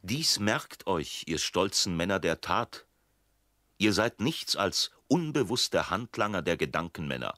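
Very low-voiced solemn writer, declamatory radio quotation, emphatic and deliberate, dry studio sound. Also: male voice, big pitch swings, bright, forceful tone, dry recording, full character voice. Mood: grave, admonishing. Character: grave writer solemnly declaiming his warnings. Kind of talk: dramatic recitation of quotations in a radio feature.

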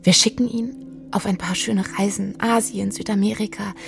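An actress playing a calm, eerie young woman who whispers softly and persuasively in a radio play. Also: medium pitch, normal speed, gravelly, lightly acted. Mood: dreamy. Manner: soft, dreamy persuasive whispering. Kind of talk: radio play acting and narration.

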